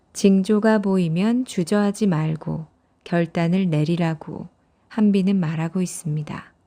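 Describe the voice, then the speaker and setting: Quiet and soothing, a woman speaks at a very slow pace in a fairly low, dark, mellow voice with ordinary pitch variation, recorded very cleanly against a silent background. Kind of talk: audiobook reading. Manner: quiet, soothing.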